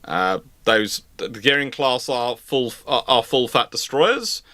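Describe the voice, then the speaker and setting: A man's voice: mid-range voice, expressive, a little slow, sharp tone, no echo. A man hosting a live history panel, explaining off the cuff and emphatically repeating phrases for stress. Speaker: host of a live naval history question panel. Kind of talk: off-the-cuff expert commentary in a live discussion.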